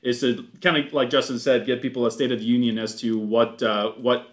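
Male podcast co-host, chatty, filler-heavy, mid-pitched and easygoing in speech. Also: flat delivery. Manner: chatty, filler-heavy, quick agreeing interjections. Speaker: podcast co-host at a car dealership. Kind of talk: casual podcast chat.

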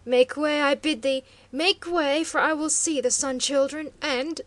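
A woman's voice: high voice, fairly even intonation, a little slow, dry recording, pitched above the performer's own voice. A woman voicing a raging arrogant chieftain. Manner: savage, threatening, shouting. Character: furious arrogant male native chieftain.

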